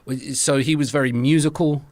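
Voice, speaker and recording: A man's voice: on the high side, fairly even intonation, fairly quick, a little mellow, no echo. A man hosting a podcast, asking curious and encouraging questions of an older guest. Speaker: podcast host. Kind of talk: interview.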